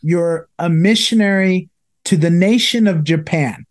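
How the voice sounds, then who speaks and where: A man's voice: high-pitched, unhurried. A man hosting a Christian podcast, interviewing a guest with enthusiastic, affirming remarks and long reflective questions. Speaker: podcast host.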